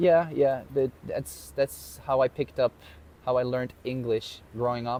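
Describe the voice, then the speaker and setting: This man talks at a fairly slow pace with an American accent, his medium pitch showing ordinary variation. The tone is dark and mellow, and the sound is dry and close with no echo. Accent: American-sounding English. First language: not English. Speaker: swimmer and swim coach. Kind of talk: casual Q&A chat.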